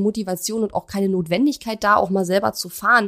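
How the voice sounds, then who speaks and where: In a very clean recording with a silent background, a woman uses a normal speaking voice at a medium pitch with ordinary pitch variation. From Prignitz, Brandenburg, northeastern Germany. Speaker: podcast host, online course entrepreneur. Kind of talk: solo podcast monologue. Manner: casual, with frequent fillers.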